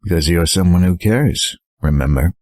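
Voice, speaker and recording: Dude playing steady young superhero, really deep voice, calm and supportive, dry recording, radio play style. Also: male voice, moderate pace, dry recording, close to an everyday voice. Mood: reassuring, sincere. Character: earnest, steady young male Atlantean superhero. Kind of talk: audio drama acting.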